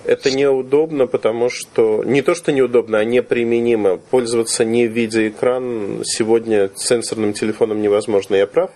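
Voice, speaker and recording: A man's voice: medium pitch, fairly even intonation, moderate pace, hardly any pauses, warm tone. A man working as an interviewer, putting conversational questions carefully and rephrasing as he goes.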